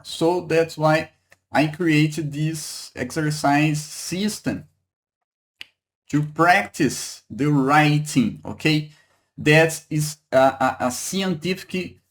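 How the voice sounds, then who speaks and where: Slow, halting Brazilian man teaching. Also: fairly high pitch. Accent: Brazilian Portuguese. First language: Portuguese. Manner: halting, repeats words, asks "okay?" and "right?" often. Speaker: Hebrew teacher. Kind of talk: online language lesson.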